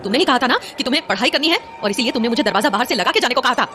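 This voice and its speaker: Wronged nanny: emotional, protesting, fast and very animated, audio drama with music behind. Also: female voice, a little high. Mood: indignant. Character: indignant, desperate nanny wrongly accused, a young mother. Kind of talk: Hindi horror audio drama acting.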